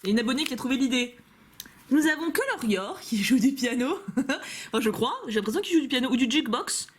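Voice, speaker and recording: A little hiss or hum runs under this camcorder home vlog, where a young woman playfully opens cards her fans made. Her voice sits high with lively intonation and a fairly quick pace, and her casual unboxing chat is gushing and peppered with laughs.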